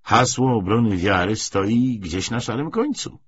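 A man's voice: fairly low pitch, expressive, unhurried, husky, voice pushed up. A man voicing a devout elderly father who is bewildered and questioning, speaking in an earnest, pleading, emphatic way. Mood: bewildered indignant. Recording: dull lo-fi recording.

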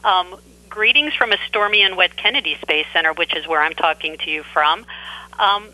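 Bright, sharp-voiced woman reporter over a radio link. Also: lowish voice, moderate pace. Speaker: news agency reporter. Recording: radio and telephone line sound.

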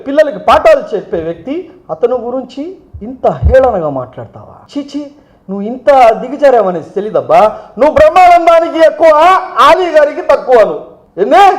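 A man's voice: very high voice, poor audio. A man giving a fiery, accusatory press statement as a party spokesman, firing off mocking rhetorical questions.

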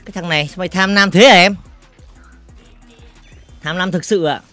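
A man with a fairly high voice hosts a casual game livestream, reading viewer comments aloud and teasing them. He jokes often and fires off repeated words in quick bursts. Faint game music plays quietly in the background. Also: steady tone. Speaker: gaming livestreamer.

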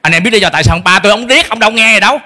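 Preaching as a pastor, a middle-aged man from Vietnam mimics parents' grievances in a changing voice while driving his points home emphatically. His high-pitched speech comes rapid-fire and sharp.

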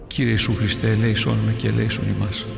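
A man's voice: lowish voice, flat delivery, creaky, over music. An actor narrating as a devout early-Christian man who tells, in earnest first person, of a crisis of faith and hard times. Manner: earnest, prayerful, brooding. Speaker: documentary narrator.

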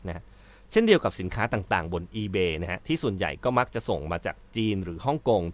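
A man's voice: low-pitched, very animated, brisk. A male host giving casual commentary on an article he reads out, chatty, with frequent fillers and self-corrections.

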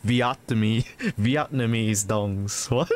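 A man's voice: fairly low pitch, takes it slowly, noisy background. A young man doing casual, joking let's play commentary, thinking aloud as he plays. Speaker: gaming YouTuber.

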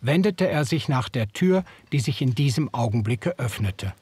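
A lively-voiced storyteller. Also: male voice, medium pitch, breathy edge, no room sound. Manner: measured, old-fashioned storytelling. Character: young German man recalling the past. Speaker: first-person narrator. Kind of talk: scripted audiobook narration.

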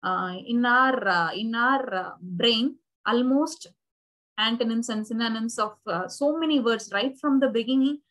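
A woman's voice: on the high side, measured pace, a bit bright. A young Indian woman whose first language is Tamil, giving a recorded university English lecture over slides, explaining patiently and rephrasing herself with many fillers.

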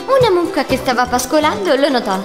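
High, lively woman narrating a children's story. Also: brisk. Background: music.

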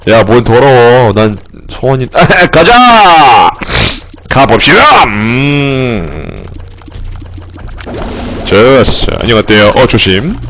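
A young man commenting on his game play for viewers, joking, swearing and breaking into sudden shouts. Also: mid-range voice, takes it slowly, pauses often, faint music behind. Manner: excitable, swearing, jokey outbursts and shouts. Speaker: game streamer.

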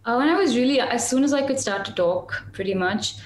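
A woman's voice: on the high side, expressive, brisk, echoey room, slight background noise. A young woman, a singer-songwriter, chatting casually on a video call from a small room at home, with lots of restarts and fillers. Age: young adult. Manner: chatty, self-deprecating, many restarts and fillers. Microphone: webcam on video call.

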